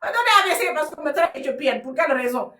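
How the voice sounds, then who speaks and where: Woman, live-stream host; high, animated and teasing, recorded off-mic in a roomy space. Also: fast talker, distant mic. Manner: animated, teasing, laughing, shifting between French and local words. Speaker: live streamer answering viewers. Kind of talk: casual live-stream chat. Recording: echoey room, off-mic.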